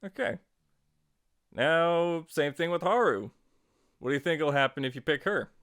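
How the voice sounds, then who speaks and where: A man hosting a software tutorial, narrating casually in a playful, chatty, wry way. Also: a little high, expressive, moderate pace, no echo, studio quality, soft background music. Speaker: tutorial host.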